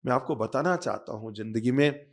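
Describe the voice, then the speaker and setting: A man's voice: medium pitch, fairly quick. A man who is a monk, giving a sermon in a meditation hall. He tells a story to the audience, acts out the voices of the people in it, and calls on the listeners to join in. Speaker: monk giving a spiritual discourse.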